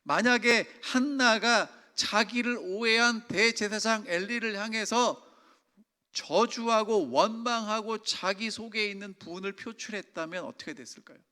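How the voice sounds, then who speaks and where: Male senior pastor, emphatic sermon full of questions to the pews, bright and tense tone. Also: sits high, measured pace. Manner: emphatic, asks the congregation questions. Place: church sanctuary. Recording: long church reverb.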